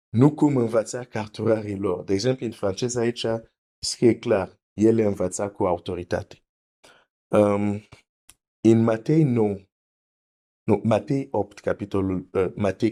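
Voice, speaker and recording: A man's voice: fairly low pitch, fairly even intonation, mellow. A man preaching a teaching sermon, explaining carefully, repeating his points and reading scripture aloud.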